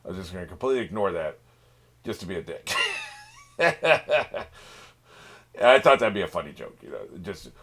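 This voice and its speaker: A man's voice: sits low, big pitch swings, normal speed, pauses often, a bit bright, husky. A man hosting a reaction channel, talking off the cuff in a rambling, profane way with many restarts. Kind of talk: casual unscripted monologue.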